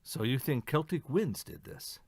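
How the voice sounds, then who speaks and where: A man acting a methodical police inspector in an audio mystery play, measured and questioning. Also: medium pitch, expressive, dry recording, studio quality. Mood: probing, calm.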